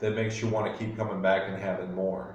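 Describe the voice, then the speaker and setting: With fairly even intonation, a man talks amid noticeable background noise and audible echo from the room. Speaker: vlogger. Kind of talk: casual monologue. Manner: casual, filler-heavy.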